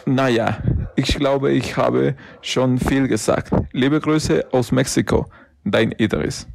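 Slow gravelly man. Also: medium pitch, steady tone. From Mexico. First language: Spanish. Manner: careful and deliberate, as a learner. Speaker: listener sending in a message. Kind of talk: read-aloud voice message.

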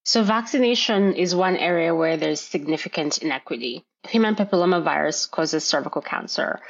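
A middle-aged woman from Kenya, a gynecologist guest explaining health issues in a measured way on a podcast. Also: on the low side, lo-fi sound. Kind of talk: podcast interview.

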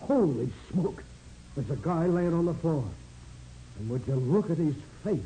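A man's voice: fairly high pitch, expressive, moderate pace, mellow. An actor playing a blunt, slangy, overconfident police sergeant, a man in a 1940s radio crime drama. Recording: noisy vintage 1940s radio recording.

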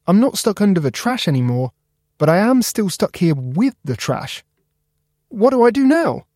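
A man voicing a young, timid bottle cap who speaks softly and earnestly. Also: high voice, very animated, moderate pace, dry recording, studio quality, pitched above the performer's own voice. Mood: gentle.

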